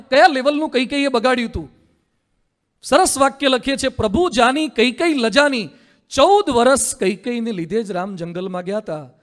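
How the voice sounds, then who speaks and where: A man preaching a religious discourse in a Gujarati accent, animated and teasing, repeating words for emphasis. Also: high voice. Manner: animated, mocks people in quoted voices, repeats for emphasis. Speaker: Hindu monk preacher.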